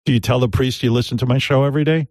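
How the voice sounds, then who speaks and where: A man's voice: medium pitch, fairly even intonation, rapid-fire, a little mellow, dry recording. Radio host guy, blunt and sweary, mocking, mid voice, dry studio mic. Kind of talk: talk radio banter.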